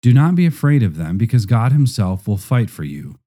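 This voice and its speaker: A man reading a Christian inspirational book aloud as scripted narration, in a measured, steady way with preaching emphasis. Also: medium pitch.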